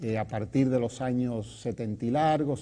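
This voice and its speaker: A man speaks in a dark, mellow tone. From Cuba, Havana. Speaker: poet. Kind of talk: interview.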